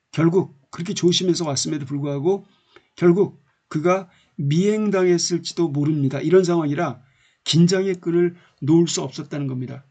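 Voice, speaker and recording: A man teaching an English novel in a lecture, reading each line slowly and then explaining it at length. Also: on the high side, a little mellow.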